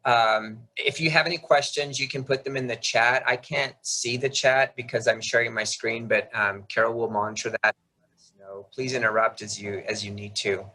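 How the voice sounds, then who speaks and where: A man in his fifties from South Texas whose first language is Spanish. His voice is bright and forward, at an ordinary male pitch. He presents informally over a video call, explaining things in a conversational, somewhat halting way. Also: fairly even intonation, poor audio. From South Texas, United States. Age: 50s. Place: video call while screen sharing.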